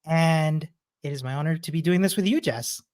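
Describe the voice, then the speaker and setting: A man from Chile co-hosting a casual coding lesson, with warm, encouraging remarks and quick affirmations. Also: on the high side. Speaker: bootcamp co-host.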